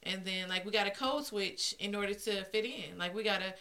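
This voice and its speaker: African American woman, creaky bright voice. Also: mid-range voice, a little fast. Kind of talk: casual group discussion.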